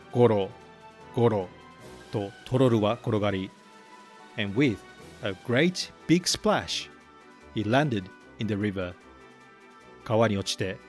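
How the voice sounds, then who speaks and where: A man's voice: lowish voice, expressive, darkish tone, soft background music. A man reading a picture book aloud in English and Japanese, then explaining English phrases as a podcast host. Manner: slow, careful reading of English lines, then Japanese translation; plain explanatory teaching tone. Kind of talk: bilingual storybook reading and English lesson.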